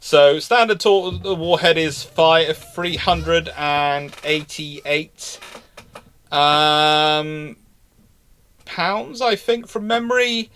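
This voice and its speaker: A man hosting an unscripted question-and-answer talk, speaking emphatically but haltingly, doubling back and repeating himself to stress points. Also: a little high, fairly bright tone, clean tone. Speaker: naval history host answering live questions.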